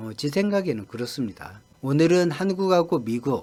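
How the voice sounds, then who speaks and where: Over music in the background, a soft-spoken man lets his pitch swing very widely. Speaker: YouTube commentator on military affairs. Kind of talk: spoken commentary video. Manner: slow.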